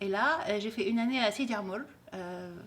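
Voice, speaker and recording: A woman with an Arabic accent speaks at a fairly slow pace. Her fairly high pitch shows ordinary variation. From Tunisia (Tunis area). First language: Arabic (speaking French). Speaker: architect and researcher. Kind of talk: oral history interview. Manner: hesitant, many fillers.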